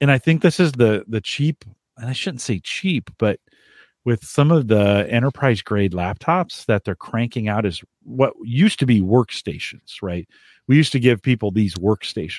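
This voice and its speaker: A man talks in a plain, everyday voice at medium pitch and a moderate pace. His intonation is lively, and the very clean recording has a silent background and a dry, close sound with no echo. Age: 50s. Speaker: tech podcast host. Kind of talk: casual chat. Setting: studio.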